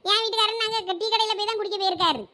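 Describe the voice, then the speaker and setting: A woman's voice: very high-pitched, flat delivery, quick pace, pushed and bright. A woman voicing a bossy village mother in a cartoon who grumbles and scolds in a Thoothukudi Tamil accent. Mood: scolding.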